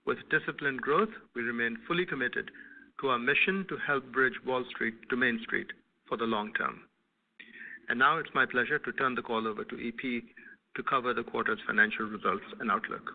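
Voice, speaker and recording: A male company executive giving scripted earnings call remarks in a formal, deliberate manner. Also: medium pitch, gravelly. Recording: tinny phone-line conference call audio.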